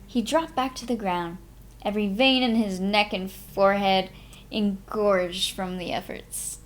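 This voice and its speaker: A woman's voice: mid-range voice, fairly even intonation, measured pace. A woman narrating a memoir aloud as a live streamer, in an informal manner with her own small asides. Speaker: streamer reading a book aloud.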